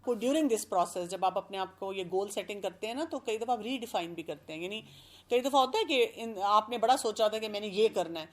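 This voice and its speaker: A woman speaking as an expert guest, explaining calmly and working through everyday examples. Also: medium pitch. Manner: calm, explanatory, gives examples. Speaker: expert guest giving parenting advice. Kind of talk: advice talk.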